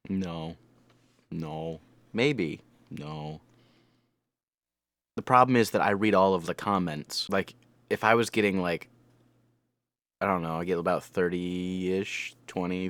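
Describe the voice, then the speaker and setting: A man's voice: deep voice, no room sound. A man giving casual, off-the-cuff reaction commentary, rambling and repeating words for emphasis. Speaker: anime reaction host and reviewer.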